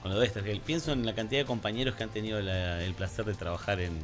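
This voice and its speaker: Argentine guy radio cohost, lowish voice, casual, kind of hunting for words, music playing behind. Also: quick pace. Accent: Argentine Spanish. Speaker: radio co-host. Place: radio studio. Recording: music clearly playing underneath.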